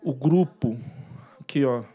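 A man's voice: mid-range voice, takes it slowly, warm tone, husky. A man giving an informal lecture on workplace harassment law, acting out quoted dialogue and pointing to slides. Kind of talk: informal presentation to an audience.

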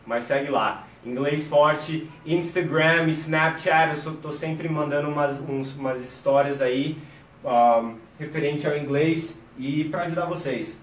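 A man with a Brazilian Portuguese accent teaches English on a live stream, energetic and chatty with his viewers. His voice sits high for a man. He sounds some distance from the mic, in an echoey room. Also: measured pace. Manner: energetic, repeats "guys" to viewers.

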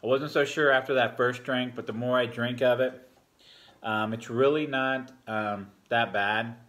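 A man in his forties gives a relaxed, rambling beer review full of fillers, talking at a table in a home bar room. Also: medium pitch, a little slow. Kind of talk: casual beer review vlog. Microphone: fixed camera at a table.

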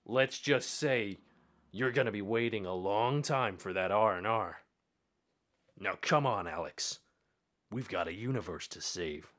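A man's voice: lowish voice, a little slow, a bit bright. A man playing a stern, commanding colonel in a dramatic sci-fi war scene. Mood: grim, resolute. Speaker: voice actor. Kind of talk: dramatic game-style voice acting.

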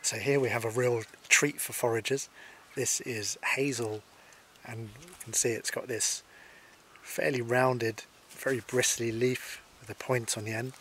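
A man in his forties from Scotland, calmly explaining wild plants as a foraging instructor, speaking to camera outdoors by hedges. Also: mid-range voice. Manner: calm, explanatory, unhurried. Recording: faint outdoor noise.

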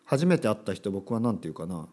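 A man's voice: fairly low pitch, sing-song, quick pace, a little mellow. A man from Kyushu hosting a casual solo podcast for learners, chatty and given to repeating phrases and acting out little dialogues. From Kyushu, Japan. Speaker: podcast host teaching Japanese.

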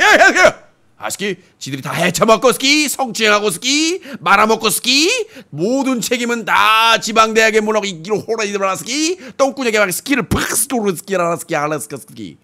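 A man voicing a mock foreign correspondent who rants in gibberish and shouts insults. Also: sits high, very animated, moderate pace, voice pushed up, heavily acted. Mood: ranting. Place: small room with fish tank, indoors. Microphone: desk mic on stand.

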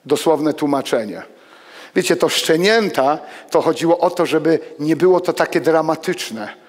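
Animated older pastor in an echoing church. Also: male voice, moderate pace. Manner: animated, walks among the pews, swings between loud exclamations and hushed low asides. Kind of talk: sermon. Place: church hall with pews and congregation. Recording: long reverb of a church hall.

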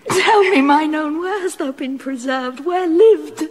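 A woman's voice: high voice, unhurried. An actress playing a queen reunited with her daughter, speaking in a tremulous, prayerful, emotional way. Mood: tearful. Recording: long reverb.

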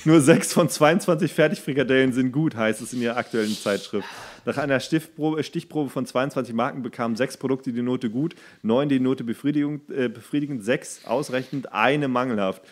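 A man's voice: medium pitch, brisk. A man in his thirties co-hosting a casual podcast chat, laughing often and stumbling and correcting himself as he reads aloud. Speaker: podcast co-host.

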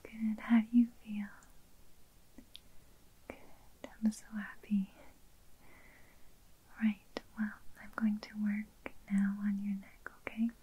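A woman in a gentle, soothing, unhurried whispered role-play as a spa therapist, close to the microphone. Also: medium pitch, flat delivery, narrow, tinny audio. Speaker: ASMR performer playing a spa therapist. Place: small decorated indoor room set. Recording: clear background noise, soft clicks, ocean sounds. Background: ocean sounds.

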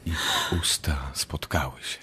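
A man narrating a scripted story for a radio drama in a husky voice. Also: a bass voice, level tone, slow pace, sharp tone, full character voice.

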